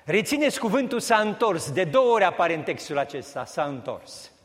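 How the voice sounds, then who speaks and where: A man's voice: high-pitched, sing-song. Man preaching in an echoing hall. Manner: emphatic preaching that rises to raised repetitions. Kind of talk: sermon. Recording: long hall reverb.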